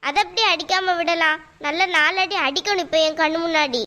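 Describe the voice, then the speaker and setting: Woman voicing a loud, demanding cartoon mother; squeaky high, bright tone. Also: fairly even intonation, moderate pace. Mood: angry. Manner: shrill, bossy, demanding. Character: loud scolding mother, quarrelsome and pushy. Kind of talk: cartoon voice acting.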